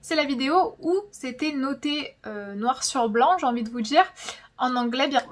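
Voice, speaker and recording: Her voice sits high and moves at a normal speed: a young francophone woman of Algerian descent hosting a YouTube storytelling vlog. She chats casually but dramatically, with emphasis, often saying words twice for effect.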